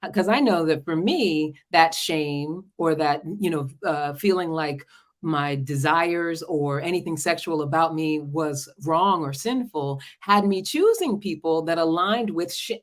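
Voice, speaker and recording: Brief: warm-toned affirming woman host, slightly low voice, laughs easily. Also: unhurried. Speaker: host, relationship coach. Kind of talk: hosting a live talk show conversation.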